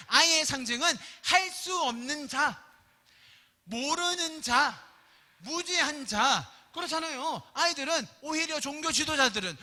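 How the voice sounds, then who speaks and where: A high, very bright male voice preaches with lively, swooping pitch. He tells the story in an animated way and acts out each voice. The sound carries a long reverb from a church hall. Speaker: pastor. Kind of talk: Korean sermon.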